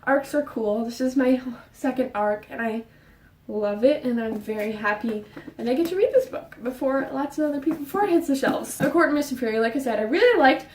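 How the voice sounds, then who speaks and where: A young woman with a high voice chats about books in a rushed, rambling way, audibly out of breath. She sounds set back from the mic in an echoey bedroom. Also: expressive, a little mellow, recorded from a distance, a little hiss or hum. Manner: fast, rambling, with fillers and restarts. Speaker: book vlogger. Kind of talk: casual book chat. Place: her bedroom.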